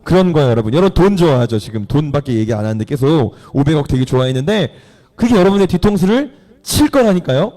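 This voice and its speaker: A man's voice: a little high, expressive, fast talker, dark tone. A man preaching a sermon in church, retelling a story with playful questions to the congregation and acted-out voices. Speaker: pastor.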